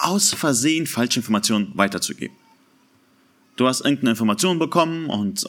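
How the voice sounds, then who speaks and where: A man preaching a sermon in an earnest, emphatic way, slowing down to stress key words. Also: mid-range voice, fairly bright tone.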